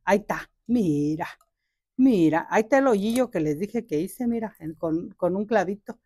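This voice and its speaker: A woman's voice: mid-range voice, lively intonation, moderate pace, dark tone, no room sound. An older woman, hosting a casual gardening vlog, chatty and joking, with many fillers and a fond tone toward her plants. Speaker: gardening channel host. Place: home garden outdoors.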